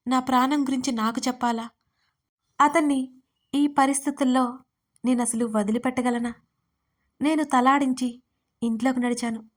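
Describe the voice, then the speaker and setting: Young female storyteller, high pitch, flat delivery, emotional first-person audio story. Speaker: writer and narrator. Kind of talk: storytelling narration.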